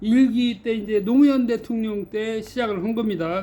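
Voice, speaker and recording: A man with a high pitch and a dark, mellow tone speaks with fairly even intonation on a very clean recording with a silent background. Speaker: commentator on current affairs; administrative agent, former civil servant and candidate. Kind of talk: solo commentary to camera. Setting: office. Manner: occasionally tangled pronunciation in early morning; halting, with fillers and self-corrections.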